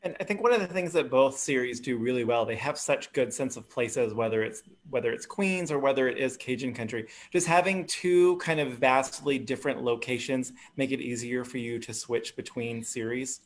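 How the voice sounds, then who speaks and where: An American man with a medium-pitched voice hosts a casual conversation. He speaks informally, halting a little as he frames his questions and comments. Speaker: bookstore event host, interviewer. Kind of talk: casual interview chat.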